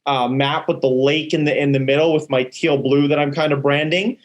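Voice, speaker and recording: A man's voice: a little high, fairly even intonation, a little fast. A man from Canada co-hosting a podcast in casual, informal conversation. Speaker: podcast co-host, real estate agent. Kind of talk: casual chat.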